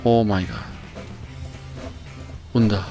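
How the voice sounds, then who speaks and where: Man, 30s, game streamer, excitable, headset mic, small room. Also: on the low side, takes it slowly, faint music behind. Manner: loud, excitable, laughing. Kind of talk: casual live-stream chat.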